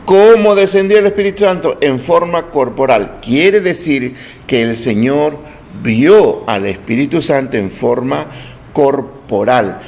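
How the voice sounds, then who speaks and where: A man's voice: medium pitch, creaky. A man preaching a sermon, teaching in a didactic way and quizzing his listeners with questions. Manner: slow, deliberate emphasis on words.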